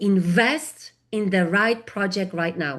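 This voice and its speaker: A woman with a Polish accent against a quiet background. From Poland. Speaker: business consultant and webinar presenter. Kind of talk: webinar presentation. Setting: online webinar.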